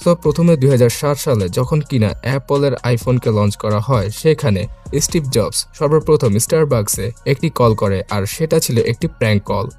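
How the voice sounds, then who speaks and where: A man's voice: mid-range voice, brisk, darkish tone. A man presenting a scripted tech explainer, speaking to viewers in an explanatory way and mixing in English terms. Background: background music.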